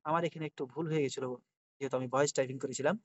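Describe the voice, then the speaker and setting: A man's voice: medium pitch, fairly even intonation, very fast, dry recording, lo-fi sound. A man giving casual commentary on a chat, talking to viewers as brother. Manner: chatty, addresses viewers as brother. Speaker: video creator.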